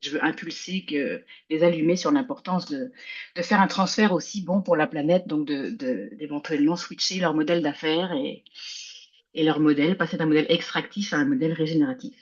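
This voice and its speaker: A woman's voice: low voice, fairly quick, breathy edge, lo-fi sound. A woman speaking informally as a workshop participant on a video call, searching for words and restarting phrases. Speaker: workshop participant, small business advisor. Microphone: video call microphone.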